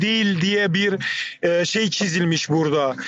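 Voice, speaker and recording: Noticeable background noise under a man's moderate pace and fairly even intonation. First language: Turkmen (speaking Turkish). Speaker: activist. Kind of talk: live stream speech at protest. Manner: halting, many fillers.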